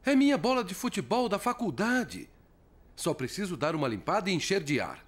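An actor voicing a good-natured young father in a Brazilian cartoon dub, playful and expressive, with a Brazilian accent. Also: high-pitched, brisk, husky, full character voice. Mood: friendly, encouraging.

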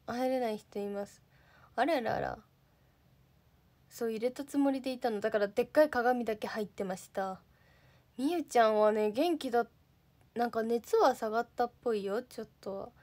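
A woman's voice: a little high, darkish tone. A young woman from Japan, a livestreaming idol, chatting casually and thanking viewers as she reads their comments.

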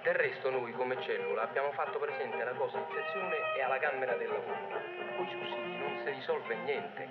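An actor playing an assertive workers' organizer, making earnest declarations in a 1940s Italian film. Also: male voice, mid-range voice, big pitch swings, a little fast, lightly acted. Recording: dull 1940s film soundtrack, loud music.

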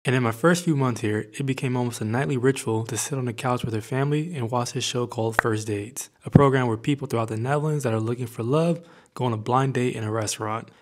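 Young man from California, fast-paced, eager interviewer. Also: medium pitch. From California, United States. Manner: eager, many "yeah" fillers. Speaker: host. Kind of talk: casual interview; narrated intro. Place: living room with leather sofa.

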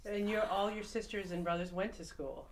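A woman's voice: mid-range voice, fairly even intonation, normal speed, low-quality recording. A woman asking questions as an oral history interviewer. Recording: clear background noise, off-camera voice.

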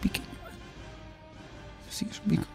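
A man's voice: normal speed, warm tone, faint music behind. A man with a European Portuguese accent hosting a podcast, joking and teasing his guest with casual swearing. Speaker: podcast host. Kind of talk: casual banter.

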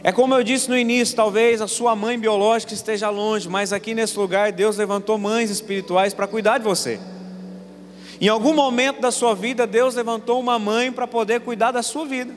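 A pastor in his twenties from Paraná, Brazil, preaches a sermon in a church sanctuary, telling stories and posing rhetorical questions to the congregation. His voice sits high with fairly even intonation and a brisk pace, over soft background music, long church reverb and faint room ambience.

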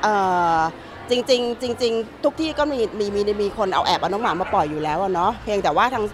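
Fast-talking middle-aged woman organizer. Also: mid-range voice, lively intonation, music in the background. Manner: fast, matter-of-fact, with repeated restarts. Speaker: event organizer. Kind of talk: interview answers. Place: indoor event hall. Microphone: several handheld press mics.

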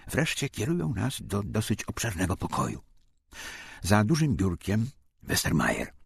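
A man reading a wartime memoir as an audiobook narrator, in a husky, gravelly voice. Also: lowish voice, huge pitch swings, normal speed, no echo.

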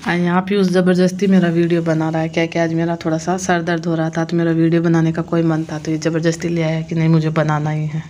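Low, even-toned woman narrating her day. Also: fast, hardly any pauses. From India. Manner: chatty, explains what is on screen step by step. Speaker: family vlogger and mother. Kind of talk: casual voice-over narration of a daily routine.

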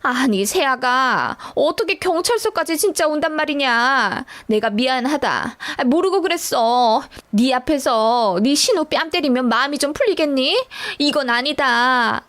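A woman's voice: high voice, animated, measured pace, few pauses, fairly bright tone. A woman voicing a domineering middle-aged mother-in-law who scolds and accuses. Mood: pleading.

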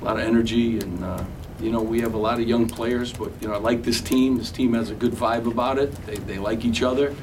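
A middle-aged man, a head basketball coach, answering questions at a postgame press conference, halting with many fillers and restarts. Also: medium pitch, fairly even intonation. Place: press conference room, seated at table. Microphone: table mic, camera from afar. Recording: distant mic with background noise.

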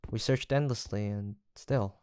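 A man playing a gentle, earnest apothecary in a fantasy audio roleplay, soft-spoken, formal and courteous, with some hesitation. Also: fairly low pitch, unhurried, smooth, dry recording, studio quality, lightly acted. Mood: solemn, determined. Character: gentle, earnest, guilt-haunted male apothecary in fantasy village. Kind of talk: soft, sweet roleplay acting addressed to the listener.

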